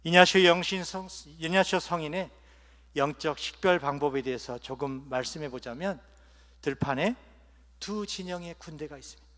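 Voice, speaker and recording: A man preaching as a bishop at an ordination, telling humorous stories and letting his phrases trail off softly at their ends. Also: on the high side, normal speed. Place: large cathedral. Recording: long cathedral reverb.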